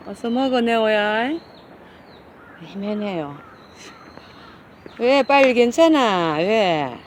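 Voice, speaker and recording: A woman's voice: fairly high pitch, expressive, slow pace, slight background noise. A middle-aged woman, speaking casually and calling the cats over and over in a coaxing, affectionate way as she feeds them outdoors on a hillside. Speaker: cat caretaker and channel host. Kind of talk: casual talk while feeding cats.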